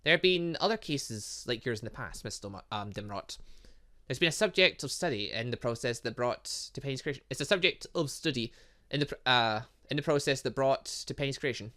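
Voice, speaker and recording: A man acts out an older gentleman scientist in a visual novel game. He is polite and formal, explaining in measured, halting phrases. The voice sits at a middling pitch with a bright edge. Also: lively intonation. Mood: polite, explanatory. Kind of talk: reading visual novel dialogue.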